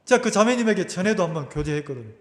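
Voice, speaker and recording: A male pastor preaches in a high, swooping voice. He keeps asking the congregation questions. His voice rings with a long reverb through the church hall. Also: racing. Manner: animated, asks the congregation questions, acts out quotes. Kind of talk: sermon. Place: church sanctuary.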